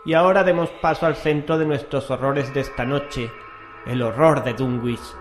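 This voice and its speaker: A male horror radio host from reads his scripted introductions. His pitch is average for a man, and music plays underneath. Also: steady tone, normal speed. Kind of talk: scripted horror show presenting.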